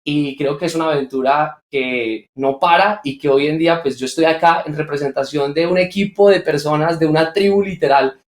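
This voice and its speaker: A young man from Colombia's coffee region with a Colombian accent, answering interview questions with stories as a guest on a video call. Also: on the high side. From Coffee Axis region, Colombia. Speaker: award-winning social entrepreneur, guest. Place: indoors on a remote video call. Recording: roomy echo on a video call.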